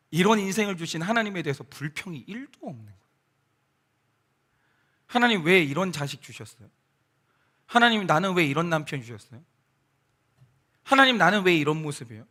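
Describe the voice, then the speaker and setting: A male pastor delivering a Sunday sermon into a church microphone. His voice sits high with a bright, forceful edge and lively pitch swings. He tells stories, dropping softly into other people's words before rising again in emotion. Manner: storytelling, quoting people in softer voices, bursts of emotion. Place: church sanctuary.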